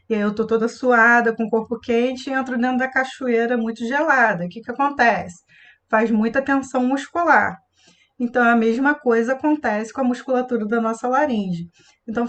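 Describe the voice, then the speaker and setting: Expressive woman voice coach, slightly high. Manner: expressive, demonstrates tones of voice. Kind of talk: live online class.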